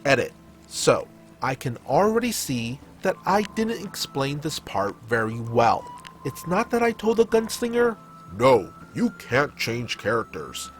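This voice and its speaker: A man hosting a story-reading show, narrating scripted gaming tales in a theatrical, emphatic storytelling manner. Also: high voice. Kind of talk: dramatic scripted narration of online tabletop gaming stories.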